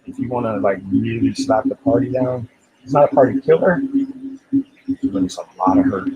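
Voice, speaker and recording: A man's voice: mid-range voice, animated, normal speed, muffled recording, a little hiss or hum. A man in his forties on a video call from a small room at home, laid-back and teasing, casually swearing. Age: 40s.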